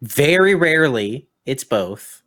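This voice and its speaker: A man's voice: medium pitch, sing-song, slow, fairly bright tone. A man co-hosting a podcast in a casual chat, teasing and wry. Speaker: podcast co-host.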